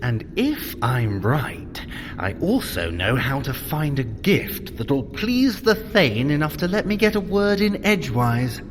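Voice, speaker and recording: Cocky male trickster god, audio drama, wheedling, hugely animated intonation, faint rumble behind. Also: slow pace. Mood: confident, wry. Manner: sardonic, wheedling, wordy. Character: glib, cocky male trickster god, smooth-talking schemer.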